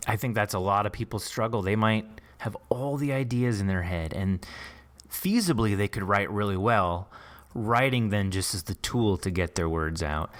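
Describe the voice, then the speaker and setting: Low-voiced man hosting a casual interview. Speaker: podcast host interviewing a writer.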